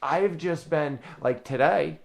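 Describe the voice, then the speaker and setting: Gravelly, foul-mouthed sports podcast host. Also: male voice, on the high side, takes it slowly. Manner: profane, excitable, tells anecdotes. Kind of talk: casual sports chat.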